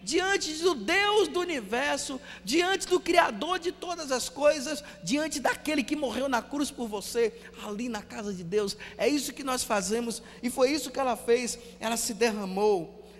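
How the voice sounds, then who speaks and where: A Brazilian priest preaching a sermon, telling stories and repeating words for emphasis, often dropping to a hush. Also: male voice, very high-pitched, a little slow, big-room sound. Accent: Brazilian Portuguese.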